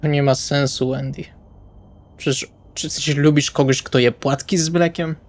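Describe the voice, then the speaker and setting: A man's voice: on the high side, steady tone, normal speed, close to an everyday voice. A man playing a blunt, exasperated male vampire in an improvised tabletop roleplay, speaking colloquially and hesitantly, with music behind him. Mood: practical, impatient. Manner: colloquial, swearing, hesitant phrasing.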